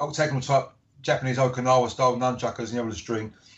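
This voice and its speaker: A man speaks at a medium pitch in a somewhat breathy voice with monotone, flat intonation. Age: 50s. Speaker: author and martial arts instructor. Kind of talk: casual interview.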